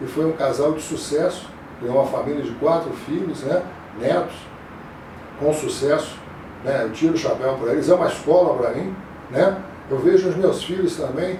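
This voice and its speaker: With noticeable background noise and audible room echo, a man speaks at a moderate pace, his pitch fairly high and its variation ordinary. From Rio de Janeiro, Brazil. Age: 60s. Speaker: podcast guest, retired manager and student. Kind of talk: interview. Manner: hesitant, repeats words.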